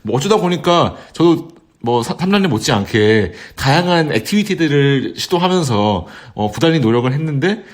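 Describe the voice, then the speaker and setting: Casual male co-host with animated intonation. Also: on the high side, normal speed. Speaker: podcast co-host. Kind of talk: casual conversational chat.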